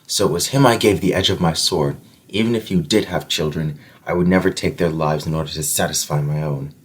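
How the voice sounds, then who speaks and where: A man playing a loyal, chivalrous nobleman in an audio drama, soft and husky, speaking with courteous, earnest, old-fashioned phrasing. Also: a bass voice, brisk. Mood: firm, solemn. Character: gentle, loyal, chivalrous nobleman, protective and solemn.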